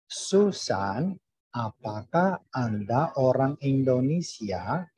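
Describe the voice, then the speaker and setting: A man learning a language, carefully and haltingly reciting drill sentences over an online call. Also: medium pitch, sing-song, darkish tone, husky. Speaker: language student. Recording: dull, roomy online call recording.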